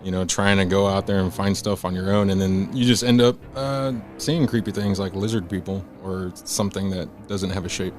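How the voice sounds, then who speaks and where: A lower-voiced man, a guest on a podcast. He tells his stories in a laid-back, slangy way and keeps saying "dude". Faint music plays behind him. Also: brisk, hardly any pauses, a little mellow. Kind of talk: casual storytelling chat.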